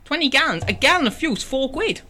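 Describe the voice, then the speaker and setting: A British teenage boy rambling through made-up sales pitches with friends, restarting his sentences. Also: animated, brisk, pushed and bright, slight background noise. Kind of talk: casual chat with friends, mock sales pitches.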